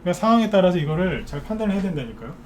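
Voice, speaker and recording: A man's voice: high voice, sing-song, racing, a little hiss or hum. A man giving a live stock market lecture, ranting bluntly and firing rhetorical questions at his viewers.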